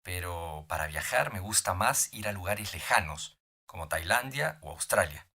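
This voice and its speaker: A man reading simple scripted dialogue for a beginner language lesson, slow and clear. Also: deep voice, lively intonation, pushed and bright.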